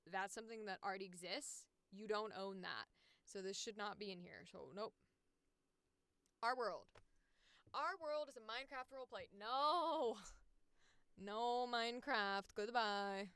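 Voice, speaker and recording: Bright, crisp-voiced woman streamer. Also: mid-range voice, no echo. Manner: expressive, excitable, blunt, swears casually. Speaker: livestream host and voice actor. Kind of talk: casual livestream chat, reading casting calls aloud.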